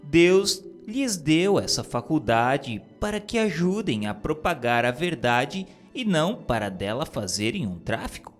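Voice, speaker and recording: A man giving a solemn, measured reading of a spiritual text as narrator. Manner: slow, measured, grave delivery with lively pitch swings.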